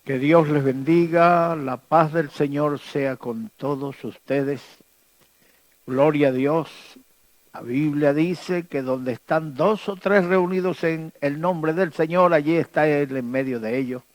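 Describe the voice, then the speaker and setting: A man with a Spanish accent from Spain opening a church service with a slow, declamatory greeting. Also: fairly high pitch, no room sound.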